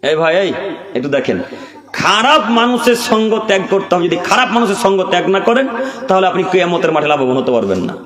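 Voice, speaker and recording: Man, preacher, from West Bengal, high-pitched, rhetorical questions, chanted Arabic verses, live crowd. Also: sing-song, fairly quick. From West Bengal, India. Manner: fires rhetorical questions and answers them himself; chants Arabic verses, then explains them. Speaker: Islamic preacher. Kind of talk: sermon at a religious gathering. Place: religious gathering.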